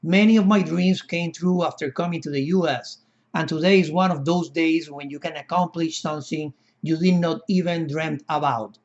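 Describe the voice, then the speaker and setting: Cuban-born male host in his fifties, earnest and effusive, a somewhat high voice with slightly dull lo-fi sound. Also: steady tone, moderate pace. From Cuba. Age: 50s. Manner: earnest, effusive and formally worded. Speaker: podcast host. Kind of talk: formal interview hosting.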